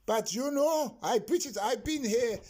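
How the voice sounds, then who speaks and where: A man's voice: very high voice, unhurried, a little mellow, slight background noise, voice pushed up. A man voicing a blunt Yugoslavian builder who speaks clipped, broken English. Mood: insistent.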